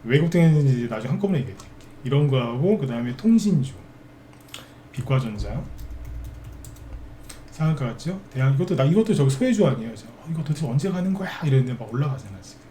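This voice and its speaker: A man's voice: mid-range voice, sing-song, quick pace, pauses often, mellow, reverberant, a little hiss or hum. Chatty male stock market broadcaster. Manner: chatty, asks tag questions and answers himself. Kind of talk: live stock market commentary.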